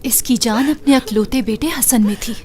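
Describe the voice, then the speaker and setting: A woman voicing a sharp-tongued young woman who rebuffs a pushy suitor, curt and indignant. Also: fairly high pitch, moderate pace, natural voice. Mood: gentle.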